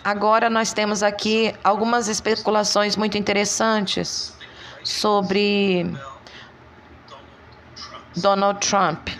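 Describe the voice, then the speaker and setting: A woman giving a calm, evenly paced translated voice-over narration. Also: medium pitch, slow pace, long pauses, a little hiss or hum.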